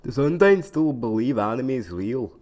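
A man's voice: medium pitch, lively intonation, normal speed, darkish tone, natural voice. A man reading out fan questions in a scripted comic dub.

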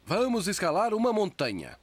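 A man voicing a kind, playful, encouraging young father in a children's cartoon dub, gentle and patient, with a Brazilian accent. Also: high voice, wildly swooping pitch, normal speed, no room sound, exaggerated voice.

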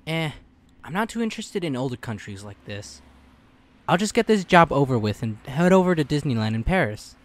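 A man's voice: fairly high pitch, sing-song, a little fast. A man voicing a polite, earnest, easily flustered teenage boy in a comic fan dub. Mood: matter-of-fact narration. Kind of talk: fan-dub narration and dialogue. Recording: music behind the voice.

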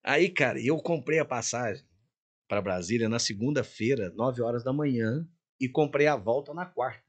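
Guesting on a podcast, a Brazilian singer from Minas Gerais, an older man with a Mineiro accent, spins a lively story and performs each character's lines himself. His voice is mid-range and his pace moderate.

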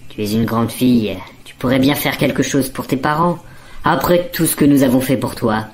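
A woman's voice: extremely low pitch, moderate pace. A woman voicing worried, coaxing parents in a radio story. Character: worried middle-aged parents.

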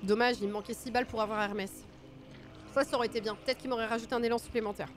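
A woman's voice: on the high side, steady tone, very fast, faint music behind. A woman streaming a video game with casual, self-mocking commentary, her nose stuffy from a cold. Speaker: gaming streamer.

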